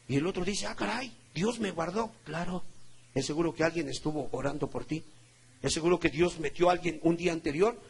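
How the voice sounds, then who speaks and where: A husky, high-pitched male pastor with a Mexican Spanish accent delivers an impassioned sermon. He climbs to loud, emphatic peaks and then sinks to hushed, low asides.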